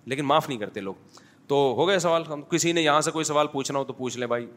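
A man's voice: on the high side, fairly bright tone. A man giving a sermon in a mosque, taking questions and telling blunt, humorous stories with acted-out dialogue. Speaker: mufti giving a Sunday lecture. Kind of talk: sermon with anecdotes and audience questions. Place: mosque, before a congregation.

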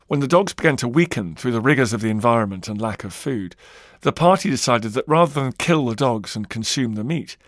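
A man's voice: medium pitch, dry recording, clean studio sound. A man narrating a scripted history documentary with dramatic, varied emphasis.

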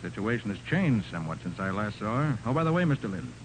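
A brisk, self-assured detective in a vintage radio crime drama. He fires off decisive questions at a quick clip, with animated delivery, over a noisy old recording. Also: lowish voice. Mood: brisk, probing. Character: brisk, stubborn, confident male private detective. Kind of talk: 1940s radio drama acting.

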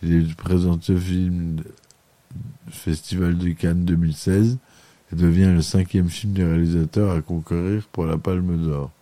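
Male podcast host, low dark voice, dry close sound, reads a chronicle and often trips and corrects himself. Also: flat delivery, unhurried, no echo. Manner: reads aloud with frequent stumbles and self-corrections. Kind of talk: read film chronicle.

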